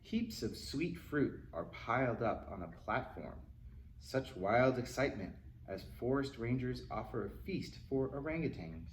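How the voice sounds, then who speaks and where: A man's voice: mid-range voice, big pitch swings, a little slow. A man reading picture books aloud to young children, with playful, chatty asides to his listeners. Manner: acts out animal sounds and exclamations. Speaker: library storytime reader. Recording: roomy echo with faint background noise.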